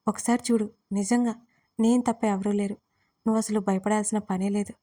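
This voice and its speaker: A woman voicing a tender, protective young man who speaks softly and reassuringly in an audio story. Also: mid-range voice, fairly even intonation, fairly quick, close to an everyday voice. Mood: tender, soothing. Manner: soft, soothing, reassuring.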